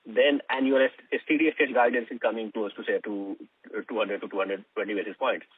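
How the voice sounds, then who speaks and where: Man, financial analyst, Indian accent, slightly low husky voice, wordy halting questions, tinny telephone line. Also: fairly even intonation, no echo. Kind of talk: unscripted earnings call question.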